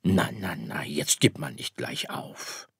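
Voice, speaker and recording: A man voicing a patient, gentle father star who calmly explains things in an audiobook. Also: low-pitched, slow pace, gravelly, breathy edge, no echo, studio quality, exaggerated voice. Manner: calm, explaining. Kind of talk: audiobook character voice.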